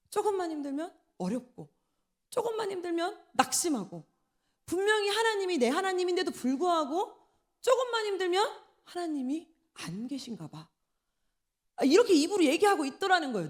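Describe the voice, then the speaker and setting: Lively woman preaching with animated pitch. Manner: storytelling, acting out quoted voices. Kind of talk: sermon at an evening prayer meeting. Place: church.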